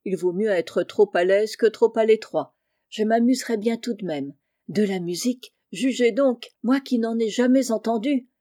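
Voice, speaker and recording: A woman's voice: fairly high pitch, moderate pace, warm tone, no echo, clean studio sound, natural voice. A woman reading the part of an eager, earnest poor country boy in a storybook.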